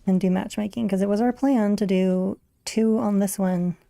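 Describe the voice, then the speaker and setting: Mellow, gravelly-voiced woman streamer. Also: medium pitch, steady tone, normal speed, no room sound, studio quality. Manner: wry, musing aloud while playing. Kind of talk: casual gameplay commentary.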